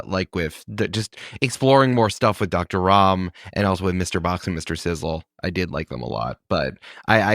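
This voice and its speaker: A man's voice: sits low, a bit bright, no echo, clean studio sound. A man in his thirties, a podcast host and game master, talking in a reflective, thinking-aloud way in casual chat. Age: 30s.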